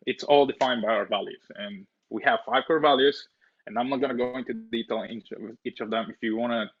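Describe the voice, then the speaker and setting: A man's voice: mid-range voice, highs cut off. A man from El Salvador talking casually as a webinar co-host, often repeating his words.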